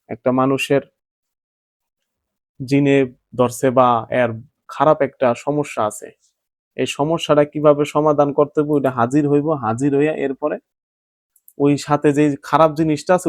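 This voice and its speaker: A man's voice: medium pitch, a little mellow, no room sound. A man preaching informally, putting questions to his listeners, answering them himself, and moving into rhythmic repeated chanting. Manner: explains by asking and answering his own questions, then chants in a rising rhythm. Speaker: Sufi preacher. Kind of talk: informal religious talk.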